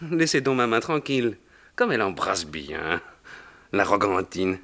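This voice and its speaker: A man's voice: very animated, measured pace, a bit bright, full character voice. A man voicing an elderly, kindly but fussy pope who chatters and teases a visitor in a storybook reading. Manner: chatty, theatrical, swooping pitch. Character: old pope, benevolent, fussy and teasing.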